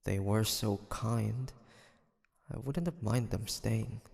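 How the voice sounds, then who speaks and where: A guarded, brooding monster hunter from the 1850s played by a male voice actor in an intimate audio drama. He speaks slowly and haltingly with a gravelly, husky voice, as if thinking aloud. The sound carries a long reverb. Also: fairly low pitch, a little mellow, full character voice. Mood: wistful, flustered. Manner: hesitant, halting, sighing soliloquy.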